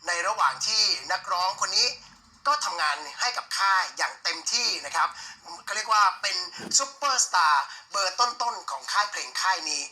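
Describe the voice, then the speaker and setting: Very bright, forceful male storyteller. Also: sits high, animated, soft background music, low-quality recording. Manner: deliberate, pointed, storyteller phrasing in short segments. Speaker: presenter. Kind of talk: broadcast storytelling.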